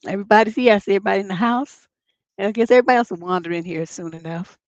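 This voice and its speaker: Woman, hoarse, relationship advice host, rambling self-mocking chat, dull dry sound. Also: mid-range voice, rapid-fire, dry recording. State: hoarse from a cold. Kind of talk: casual livestream advice chat.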